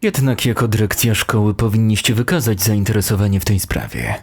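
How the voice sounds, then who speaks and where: A man's voice: fairly low pitch, expressive, a little fast, darkish tone, husky. A man voicing an unfriendly, formal, needling police detective in an audio horror story. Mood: cool, formal.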